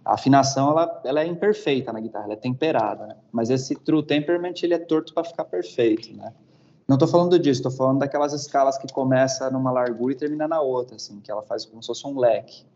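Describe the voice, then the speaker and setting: A man's voice: mid-range voice, quick pace, warm tone, slight background noise. A man in casual conversation, reflecting hesitantly on guitar tuning and often ending his phrases with a tag question. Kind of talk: casual chat about guitars. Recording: dull lo-fi sound.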